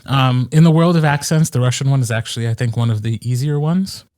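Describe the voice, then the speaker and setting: An easygoing middle-aged man co-hosting a podcast at a middle pitch. He talks in a wry, relaxed way, with plenty of ums. The recording is close and dry. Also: fast, dry recording. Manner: easygoing, wry, lots of fillers. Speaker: podcast co-host, audiobook narrator. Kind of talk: casual chat.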